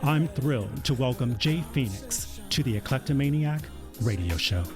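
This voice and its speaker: A man hosting a radio interview show, reading a measured introduction before chatting with his guest. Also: medium pitch, lively intonation. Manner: measured, reads credits. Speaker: radio host. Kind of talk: scripted intro then interview. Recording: music bed behind.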